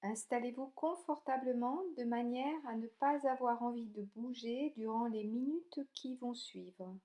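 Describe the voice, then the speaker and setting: A woman leading a guided yoga relaxation, speaking calmly and soothingly in short, gentle instructions with pauses between them. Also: a little high. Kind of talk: slow guided meditation narration.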